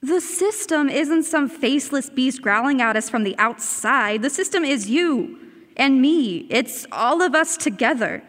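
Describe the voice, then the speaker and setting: A woman's voice: high-pitched, animated, measured pace, fairly bright tone, in a large hall. An actress playing an earnest woman recording someone's story for a radio show.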